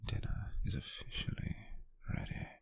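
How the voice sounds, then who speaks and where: A British man playing a gentle, doting wizard sweetheart in an intimate ASMR roleplay, speaking in a breathy, husky near-whisper with a tender, hesitant, teasing manner. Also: moderate pace, lightly acted. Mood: affectionate, earnest.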